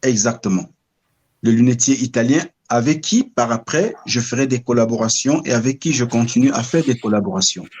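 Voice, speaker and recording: Measured Cameroon-born man, deliberate storyteller. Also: medium pitch, darkish tone, slightly rough. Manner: measured, searching for words. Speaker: guest. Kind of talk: reflective interview storytelling.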